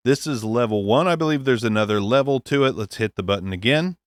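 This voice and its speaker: A man's voice: medium pitch, fast, no room sound. Blunt guy reviewing a mic, middle voice, dry close sound. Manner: blunt, profane, thinking aloud. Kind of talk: casual gear review.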